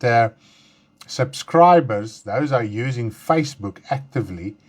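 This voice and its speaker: A man's voice: mid-range voice, darkish tone. Man teaching Bible study. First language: Afrikaans. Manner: earnest, halting, with frequent fillers and restarts. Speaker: pastor leading Bible study.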